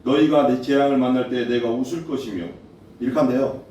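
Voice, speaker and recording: A man's voice: medium pitch, fairly even intonation, brisk, warm tone, far from the mic, a little hiss or hum. Preaching man in an echoey hall. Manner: conversational preaching, asks the congregation questions. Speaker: pastor. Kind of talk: sermon. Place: church hall.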